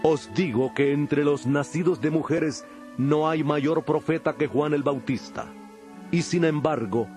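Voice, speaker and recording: A man acts a solemn teacher addressing crowds in a dramatized Bible recording. His voice sits slightly high for a man, and his delivery is measured and declamatory, with music underneath. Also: darkish tone, close to an everyday voice. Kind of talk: dramatized audio Bible acting.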